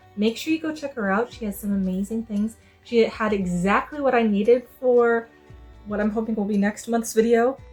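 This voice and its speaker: Over background music, a woman speaks at a moderate pace with a fairly high pitch and ordinary pitch variation. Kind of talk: casual talk to camera. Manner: chatty, relaxed.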